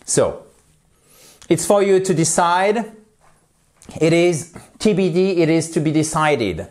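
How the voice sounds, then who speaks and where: Man teaching English slowly. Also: fairly high pitch. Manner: lively, drawn-out slow drills of English phrases. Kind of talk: online language lesson.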